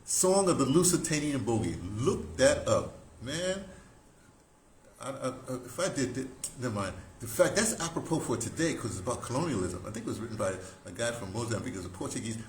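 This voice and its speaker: A man in his seventies telling stories informally, in a halting, digressive way with emphatic stresses. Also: mid-range voice, lively intonation. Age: 70s. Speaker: audio dramatist recounting theater history. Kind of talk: informal rambling storytelling to camera. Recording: roomy echo, background noise.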